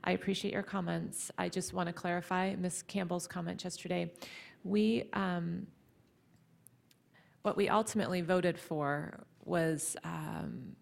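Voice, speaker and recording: A woman chairing a school board meeting, responding to a speaker in a measured, reassuring way at a dais microphone. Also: lowish voice, fairly even intonation, vocal fry.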